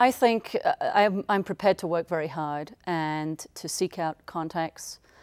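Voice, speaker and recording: In an English accent, a woman speaks at a fairly slow pace with a fairly low pitch. The sound is dry and close with no echo, on a very clean recording with a silent background. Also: ordinary pitch variation. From England. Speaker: real estate broker. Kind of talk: interview.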